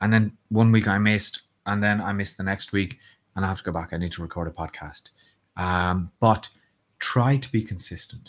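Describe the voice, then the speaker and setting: A man with a fairly low voice talks at a moderate pace, his intonation fairly even. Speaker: live stream host, content marketing presenter; presenter. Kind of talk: live webinar talk. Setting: home setup with own microphone. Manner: casual, many fillers. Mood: relaxed, chatty. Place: home room. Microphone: webcam.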